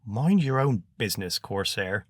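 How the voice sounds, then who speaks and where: A man's voice: on the low side, expressive, moderate pace, no echo, studio quality. A man voicing a surly, foul-mouthed teenage boy with a Cockney accent and a curt, hostile manner.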